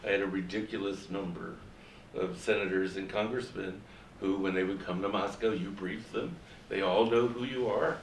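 An older man gives measured career advice on a panel. His voice is very low and gravelly. The sound is distant and echoey, as if taken from across a seminar room. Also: fairly even intonation, a little hiss or hum. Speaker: former Foreign Service officer, panelist. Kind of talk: panel talk. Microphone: far camera.

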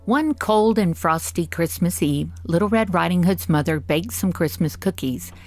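A woman's voice: fairly low pitch, lively intonation, normal speed, a little mellow, faint music behind. A woman narrating a scripted children's story as the storyteller.

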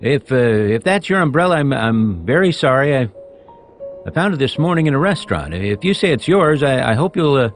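A man's voice: medium pitch, very animated, fairly quick, soft background music, pitched above the performer's own voice, natural voice. A man voicing a nervous, apologetic man who stammers and hesitates, in an audiobook story. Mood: flustered, apologetic. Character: nervous, apologetic man caught with a stolen umbrella. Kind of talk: audiobook character voice.

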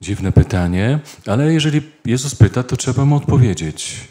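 A man preaching a sermon as a priest, earnest and speaking in short phrases with pauses. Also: medium pitch, animated, mellow.

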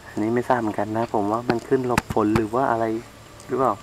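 A young man quietly narrating an exploration vlog outdoors at dusk, talking to his viewers while searching around an abandoned cabin. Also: medium pitch, fairly even intonation, fast. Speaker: vlogger exploring abandoned sites. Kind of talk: casual on-the-spot vlog talk. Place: outdoors in a rural forest clearing at dusk. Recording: outdoor camera audio with insect noise. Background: crickets and insects.

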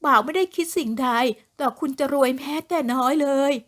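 A woman's voice: high voice, extremely slow, bright, forceful tone, voice pushed up, full character voice. A woman voicing a timid young servant girl in a storybook drama, trembling with fear, speaking in a shaky, polite voice. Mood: terrified.

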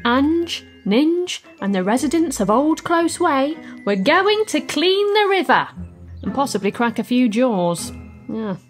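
A wry female cartoon narrator, played by a woman tells the story in a fairly high, lively voice. Music plays behind her. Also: measured pace. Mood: mock-solemn. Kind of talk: scripted comic cartoon narration.

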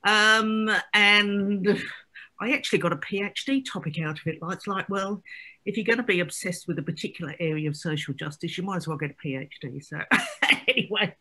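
A woman's voice: medium pitch, moderate pace, sharp tone, rough recording. An older woman introducing herself on a video call in a chatty, wry way. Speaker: researcher panelist. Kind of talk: casual self-introduction. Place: home room with bookshelves on a video call.

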